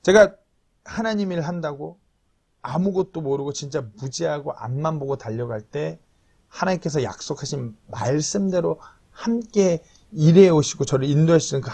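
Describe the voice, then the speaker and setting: A man's voice: fairly high pitch, lively intonation, moderate pace, creaky, dark tone, slightly rough. A man in his thirties preaching an earnest, confessional sermon as a pastor, at times pleading.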